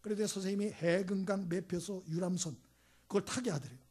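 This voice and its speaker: A male pastor preaches a sermon in a high, breathy voice. He is emphatic, swinging between loud exclamations and quiet hushed asides. He acts out the voices in his stories as he tells them. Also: a little fast. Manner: tells anecdotes acting out voices.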